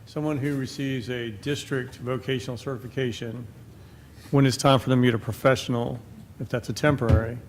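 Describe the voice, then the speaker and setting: A man's voice: mid-range voice, steady tone, fairly quick, slight background noise. Man carefully clarifying a question. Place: board meeting room.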